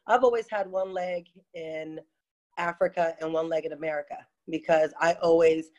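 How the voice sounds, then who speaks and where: A woman in her forties who was born in Ghana, telling her story as a guest in an interview, rambling with many pauses and restarts. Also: sits low, steady tone, a little mellow, dull audio. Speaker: guest, taco business owner.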